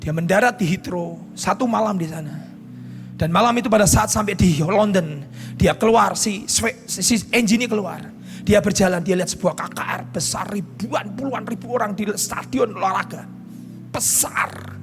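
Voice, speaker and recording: A man with an Indonesian accent preaching a sermon as pastor, telling a story that swings between hushed lines and shouted climaxes. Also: high voice, moderate pace, soft background music. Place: church stage at a pastors' conference.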